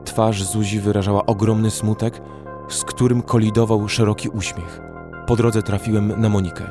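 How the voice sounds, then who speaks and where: A man's voice: fairly low pitch, flat delivery, moderate pace. A man giving dramatic first-person scripted narration of a horror story. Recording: faint music behind.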